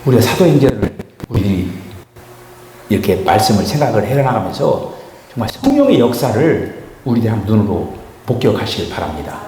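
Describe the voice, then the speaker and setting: Impassioned Korean pastor in echoey hall. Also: male voice, on the low side, very animated, fairly quick, a little hiss or hum. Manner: emotional preaching, swinging from shouts to quiet. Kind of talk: sermon. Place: church sanctuary.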